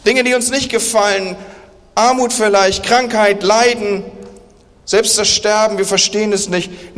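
A man preaching a sermon at a church service, asking rhetorical questions and sinking into quiet, intense emphasis. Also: high-pitched. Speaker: pastor. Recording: long church reverb.

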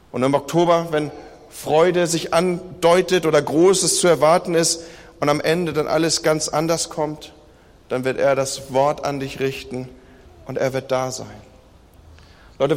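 A man preaching a sermon, addressing his congregation directly in an earnest, repetitive way. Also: fairly high pitch. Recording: long hall reverb.

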